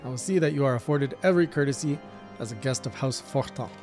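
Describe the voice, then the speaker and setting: A man's voice: medium pitch, quick pace, darkish tone, soft background music, close to an everyday voice. Courteous noble knight commander, stately and formal, mid-range voice, read out by a man. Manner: formal, stately old-fashioned phrasing.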